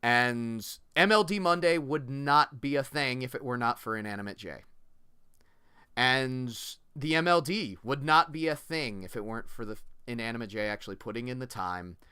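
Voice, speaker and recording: A man's voice: medium pitch, bright, forceful tone, clear, resonant tone, dry recording, clean studio sound. A man hosting a livestream, talking casually and earnestly as he thanks viewers. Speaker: livestream host.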